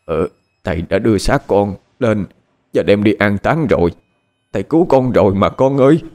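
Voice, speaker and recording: A man's voice: on the low side, lively intonation, normal speed, a little mellow. A man voicing an older village teacher, grieving and anxious, speaking in a choked voice and asking urgent questions.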